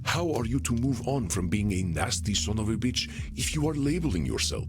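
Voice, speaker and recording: An actor playing a courtly old vampire therapist in a video game, formal, deliberate and gently probing. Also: male voice, fairly low pitch, sing-song, music in the background. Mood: compassionate. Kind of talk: video game character dialogue.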